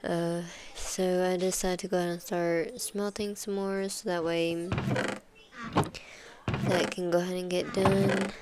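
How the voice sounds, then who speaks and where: A woman records a gameplay voice-over, stuffed up and congested. Her low voice has a gravelly fry, and she rambles slowly and casually with plenty of fillers. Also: darkish tone. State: congested from sinus trouble. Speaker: gaming video host.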